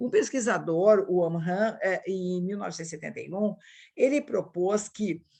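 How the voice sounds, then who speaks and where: Against a quiet background, a woman speaks at a medium pitch and a moderate pace with ordinary pitch variation. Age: 60s. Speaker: university professor. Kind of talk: lecture. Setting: recorded online video lesson. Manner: halting, with many fillers.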